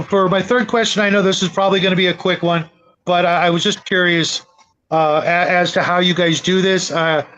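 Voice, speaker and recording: Male panel host, noticeably high voice, casual and explanatory, slightly dull low-fidelity sound. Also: fairly bright tone. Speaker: host of a tabletop gaming panel. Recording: dull lo-fi audio.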